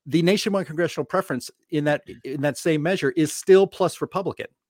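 Dry and close with no echo, a man with an American accent speaks at a very fast pace. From Pennsylvania, Pittsburgh. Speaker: think tank executive. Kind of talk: political panel discussion.

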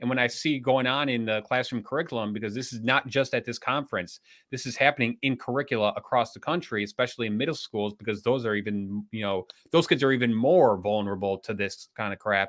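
A man with a plain, everyday voice talks at medium pitch and a fairly quick pace. His pitch variation is ordinary, and the recording is very clean with a silent background. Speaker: editorial director and podcast co-host. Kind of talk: casual chat.

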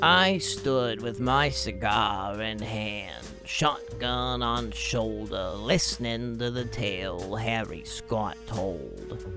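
A man speaks very slowly over loud music playing in the background. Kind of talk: noir detective narration. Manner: wisecracking, flippant.

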